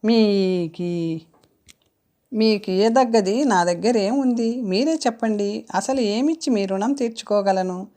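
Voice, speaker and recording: A woman's voice: medium pitch, slow, mellow, close to an everyday voice. A woman voicing a sad, proud young woman as she reads an audiobook story, speaking in a subdued, hesitant way. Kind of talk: audiobook character reading.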